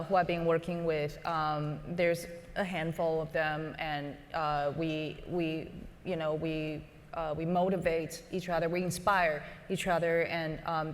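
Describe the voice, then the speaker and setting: Brief: woman panelist, lowish pitch, halting and searching for words, hall reverb. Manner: hesitant, many restarts and fillers. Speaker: design partner on a panel. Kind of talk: unscripted panel talk. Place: conference stage. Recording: reverberant live conference hall.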